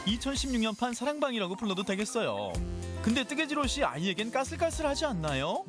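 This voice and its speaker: Man narrator, playful voice-over, high lively pitch, over music. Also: fast.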